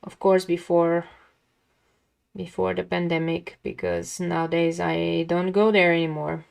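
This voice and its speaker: A young woman with a calming voice chatting casually with viewers while she draws on a livestream. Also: lowish voice, a little slow, gravelly, clean tone. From lives near a big Dutch city. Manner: chatty, talks to chat viewers, laughs often. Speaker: art livestream host. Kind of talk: casual chat while drawing.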